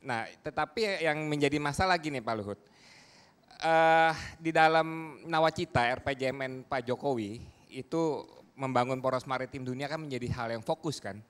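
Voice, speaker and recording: A man's voice: medium pitch, moderate pace, a bit bright, clear, resonant tone. A man speaking as a talk show panelist, arguing insistently and backing each point with figures. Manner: argumentative, presses points with figures.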